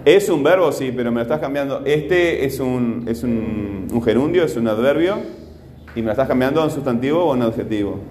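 A man's voice: medium pitch, brisk, darkish tone, echoey room, slight background noise. A man teaching a grammar lesson to a class, patient, repeating himself and using many fillers.

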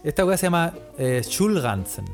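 A man's voice: a little high, sing-song, moderate pace, soft background music. A man from Chile with a Chilean accent, telling stories in a casual chat as a podcast co-host, full of slang and swearing and comically exasperated exaggeration.

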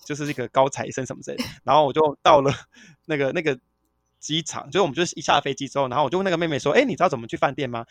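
A man's voice: fairly high pitch, racing, dry recording. A man, co-hosting a casual chat and telling stories with acted-out quotes. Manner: animated, acts out quotes of others. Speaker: podcast co-host.

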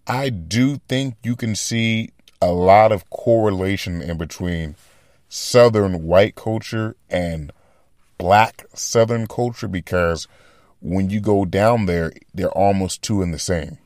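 A man's voice: sits low, slow pace, darkish tone, no room sound, studio quality. A man hosting a casual commentary podcast, rambling and thinking aloud as he talks. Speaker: podcast host.

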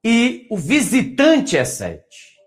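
A Brazilian man gives a motivational talk, his voice sitting a little high and swinging up and down with lots of life. He keeps coaxing the audience to answer him. Soft music plays quietly behind him. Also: slow. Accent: Brazilian Portuguese. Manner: animated, coaxing, asks listeners to answer. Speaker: motivational coach.

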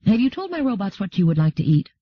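A man's voice: high-pitched, very animated, fast, pitched above the performer's own voice. A man voicing a haughty, curious aristocratic woman from another world in an audiobook, with prim, precise, questioning speech. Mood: polite, composed. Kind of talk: audiobook character dialogue. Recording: roomy, dull lo-fi audio.

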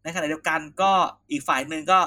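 Brief: male co-host, high bright voice, teasing rough banter. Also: fairly even intonation, fast. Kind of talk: casual political chat.

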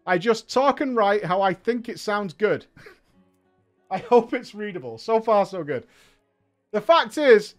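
A man hosting a livestream show who reads viewer letters aloud, talking in a loud, hyped way with swearing and rambling asides. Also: high-pitched. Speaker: streamer and show host.

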